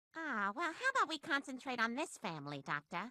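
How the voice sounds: Using a cartoonish character voice, a woman speaks at a high pitch with very wide pitch swings and a fairly quick pace, in a dry, close sound with no echo.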